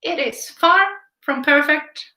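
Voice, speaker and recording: A woman's voice: high voice, slow, reverberant, background noise. A young woman from Finland with a Finland Swedish accent, chatting casually on a live stream while painting and reading viewer comments aloud. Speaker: art livestream host. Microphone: camera filming from above.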